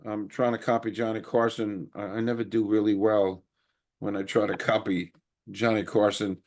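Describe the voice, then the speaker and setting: A man's voice: fairly low pitch, flat delivery, normal speed, a little mellow. A man hosting an interview, hesitant and self-deprecating, with many fillers. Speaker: host. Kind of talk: conversational interview.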